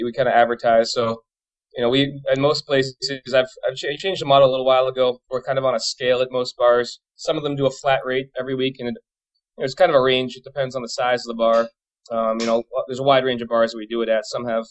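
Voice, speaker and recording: Fast-talking man in his thirties. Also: medium pitch, lo-fi sound. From Boston area, United States. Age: 30s. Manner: chatty, informal. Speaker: interview guest, pub trivia company owner. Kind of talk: casual conversational interview.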